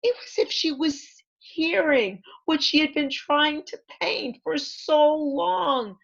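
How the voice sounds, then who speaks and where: High-pitched, unhurried woman reading a storybook. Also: gravelly, highs cut off. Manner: expressive, pausing to point things out to listeners. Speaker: author reading her picture book aloud. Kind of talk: storytime read-aloud for children with asides. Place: online library event.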